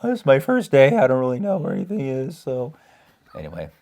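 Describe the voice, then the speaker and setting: Very animated, playful American man. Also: medium pitch, brisk. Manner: playful, joking, repeats phrases. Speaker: co-host. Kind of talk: casual chat.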